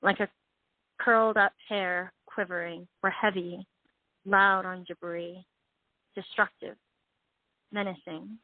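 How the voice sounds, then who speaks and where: A woman caller comes through a thin, tinny phone line held to her ear. Her voice is dry with no room around it. She laughs easily and reads her poem aloud at an even pace, in a mid-range voice. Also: medium pitch, slow pace, pauses often, no room sound. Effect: heard over a phone line.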